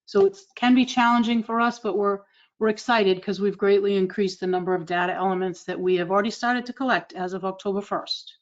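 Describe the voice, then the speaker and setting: A woman's voice: mid-range voice, fairly quick, lo-fi sound. A woman from Massachusetts with a Massachusetts accent, giving a state agency update on a video call in a friendly, explanatory way. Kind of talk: virtual meeting update.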